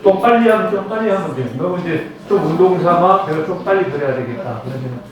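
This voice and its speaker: A man's voice: high voice, a little hiss or hum. Older man lecturing in an echoey room. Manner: conversational, leads slow chanting. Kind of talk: Buddhist lecture. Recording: very echoey room, distant mic.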